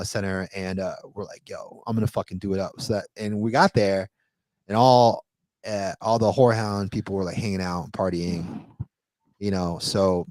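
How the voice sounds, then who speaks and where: A man telling a rambling, profane party story as a podcast guest, in a casual animated way. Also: on the low side, no room sound.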